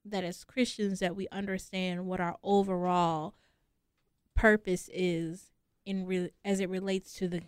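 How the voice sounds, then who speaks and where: A woman's voice: fairly low pitch, flat delivery, unhurried, clean tone, dry recording, studio quality. A woman co-hosting a casual Christian podcast, chatty, with many fillers and frequent laughter. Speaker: podcast co-host.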